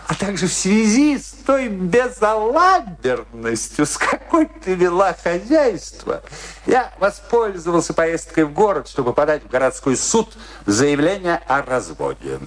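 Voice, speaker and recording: An actor playing a vindictive, pompous older military husband in a radio play, with a deliberate, mock-official and theatrical delivery. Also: male voice, a little high.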